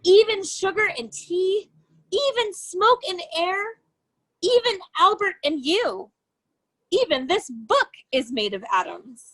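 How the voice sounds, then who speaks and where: A woman reading a children's storybook aloud as an educator, with expressive, deliberate phrasing and emphasis on key words. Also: very high-pitched, low-quality recording.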